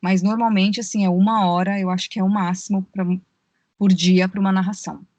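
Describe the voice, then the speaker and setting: A woman's voice: mid-range voice, level tone, a little fast, darkish tone, dry recording. A woman, a voice actress and audiobook narrator, explaining her work at length on a podcast call and often saying "né". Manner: explains at length, many fillers like "né" and "assim". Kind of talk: podcast interview over a call. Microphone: remote call.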